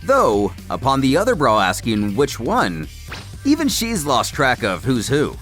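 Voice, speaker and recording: A man's voice: mid-range voice, wildly swooping pitch, a little slow, music in the background. A man narrating a scripted story recap in a theatrical, wordy storytelling manner. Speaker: narrator of a comic recap series.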